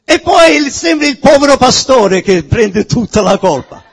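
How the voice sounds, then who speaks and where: A man preaching a sermon in Italian, which is not his first language, with fervent shouting that drops to sudden hushes. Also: very high-pitched, lively intonation, unhurried, vocal fry, husky, long reverb tail, some chatter behind. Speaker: pastor.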